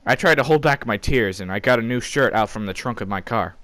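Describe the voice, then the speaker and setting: A man's voice: medium pitch, animated, a little fast, fairly bright tone, no room sound. Man telling a comic story, dry sound. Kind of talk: informal comedic storytelling.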